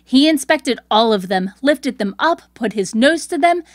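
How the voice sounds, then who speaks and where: A woman host reading scripted storybook narration in a clear storytelling delivery. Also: on the high side, expressive, measured pace, no echo, clean studio sound.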